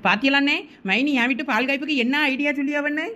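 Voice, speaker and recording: Cartoon younger sister played by a woman: teasing, oblivious, rapid talker, slightly high, Thoothukudi Tamil dialect. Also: very noisy, lightly acted. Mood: gleeful. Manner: teasing, wheedling. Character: cheeky, oblivious, wheedling big younger sister-in-law. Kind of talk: dialect cartoon family comedy dialogue.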